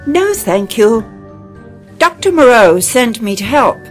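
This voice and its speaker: An actor playing a polite, flustered, apologetic white rabbit gentleman in an audio drama. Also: mid-range voice, big pitch swings, slow pace, faint music behind. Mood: courteous. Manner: flustered, exclamatory, courteous.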